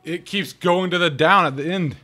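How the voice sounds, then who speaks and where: A video game streamer with a high, sharp voice gives casual let's-play commentary at a normal pace. He reads game text aloud and mutters exasperated asides to himself while video game music plays underneath.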